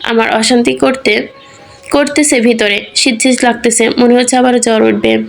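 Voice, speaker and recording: Woman voicing a soft-spoken young bride. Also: on the high side, steady tone, moderate pace, gravelly, soft background music. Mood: gentle. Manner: soft, pleading. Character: young, sweet, helpless new bride.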